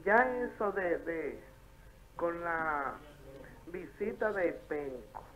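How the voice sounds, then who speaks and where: A woman calling in to a talk show by phone, telling a rambling eyewitness account that gets loud at times. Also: fairly low pitch, animated, slow. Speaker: caller. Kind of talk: phone-in call. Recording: muffled phone-line call.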